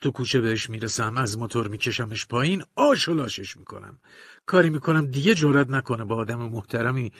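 A man narrating a first-person audiobook in a measured, confessional, colloquial manner, recorded close to a studio mic. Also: mid-range voice, lively intonation, fairly bright tone, slightly rough, no echo.

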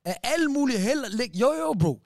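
Male podcast host, lively storyteller, slangy, dry close mic. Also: extremely high pitch, vocal fry, no echo. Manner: animated storyteller, many restarts, slang like "bro" and "wallah". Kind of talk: casual storytelling chat.

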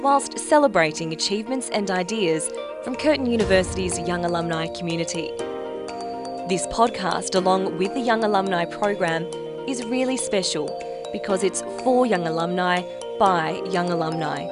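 A woman's voice: lowish voice, normal speed. A woman reading a scripted, upbeat podcast introduction. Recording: loud music underneath.

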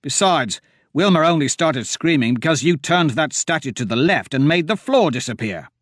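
A man voicing a steady young male adventurer who talks in a level-headed, urgent way. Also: fairly high pitch, normal speed, no room sound, studio quality, voice pushed up.

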